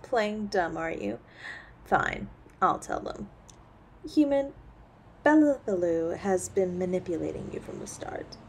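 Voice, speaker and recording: Husky, haughty demon mother, acted by a woman. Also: on the low side, measured pace, darkish tone. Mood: smug, taunting. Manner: imperious, mocking, menacing. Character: haughty, cruel centuries-old succubus demon mother. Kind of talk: scripted audio roleplay acting.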